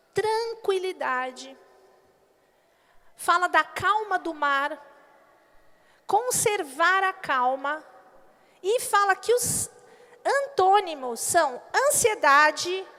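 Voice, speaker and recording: High-voiced woman pastor preaching in a reverberant hall. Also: slow pace, pauses often. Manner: animated, acts out little quoted dialogues. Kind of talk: sermon. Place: church hall.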